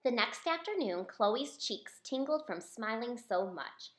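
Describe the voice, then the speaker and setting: A woman reads a children's storybook aloud in a fairly high voice with very animated pitch. She is expressive and speaks directly to young listeners. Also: a little slow. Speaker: children's author reading own book.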